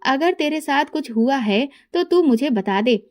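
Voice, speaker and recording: A woman's voice: high voice, lively intonation, a little slow, darkish tone. A woman voicing a worried coaxing mother.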